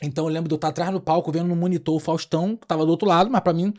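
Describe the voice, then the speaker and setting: A young Brazilian man, a comic actor, telling lively anecdotes on a podcast and often breaking into laughter. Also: on the high side, rapid-fire. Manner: animated, laughing, acts out scenes. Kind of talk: casual anecdotal storytelling.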